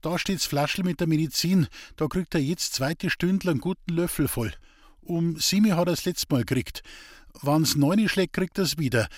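A man voicing a kind young village woman who speaks softly and gently while nursing a sick man. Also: deep voice, normal speed, no echo, clean studio sound, voice pushed up. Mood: caring. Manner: soft, gentle, caring.

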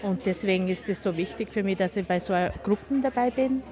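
A woman's voice: mid-range voice, brisk, warm tone. Chatty woman in her fifties. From United States. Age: 50s. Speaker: interviewee. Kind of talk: casual personal account.

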